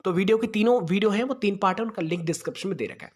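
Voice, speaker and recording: A man teaching English idioms to exam students, reading each English line slowly in an Indian accent and then explaining it in Hindi. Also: high voice. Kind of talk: exam prep lesson.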